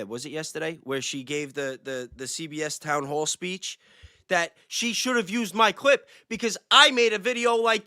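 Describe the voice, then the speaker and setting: A man chatting casually on a livestream as a video creator, excitable, blunt and profane, often repeating himself for emphasis. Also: sits high, no room sound, clean studio sound. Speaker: online video creator on a panel.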